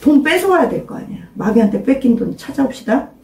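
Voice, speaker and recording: A woman's voice: high voice, sing-song, fast talker, gravelly, noisy background. An older woman pastor preaching an informal sermon, emphatically questioning her listeners and urging them to pray aloud. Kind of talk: informal sermon to a small congregation. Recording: roomy echo, mic at a distance.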